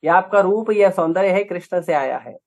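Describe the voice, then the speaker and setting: A man's voice: high-pitched, animated, moderate pace, darkish tone. Emphatic Indian man preaching. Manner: emphatic, rhetorical questions, repetitive lists. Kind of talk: scripture lecture.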